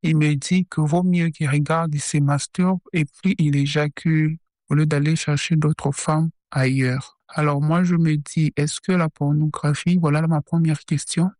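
A woman's voice: low voice, fairly even intonation, unhurried, a little mellow, no room sound. A woman from DR Congo, leaving a recorded voicemail question through a voice changer that disguises her voice. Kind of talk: recorded listener message.

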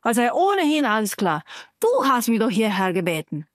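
A woman narrator voicing her young heroine, whose dialogue comes out high-pitched, bitter and near-shouting. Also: big pitch swings, brisk, no echo, clean studio sound. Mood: accusing.

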